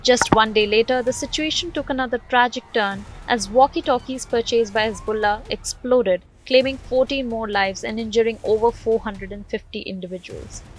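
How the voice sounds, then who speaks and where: A woman's voice: on the high side, normal speed, hardly any pauses, low-quality recording. A woman reading a scripted news voice-over as the narrator of a report. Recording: background music under voice-over. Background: music bed.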